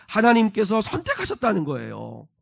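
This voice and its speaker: A pastor preaches in a church, his voice sitting high for a man. He explains a passage step by step and keeps putting questions to the congregation. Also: huge pitch swings, fairly quick, vocal fry, slightly rough. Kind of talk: sermon. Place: church sanctuary.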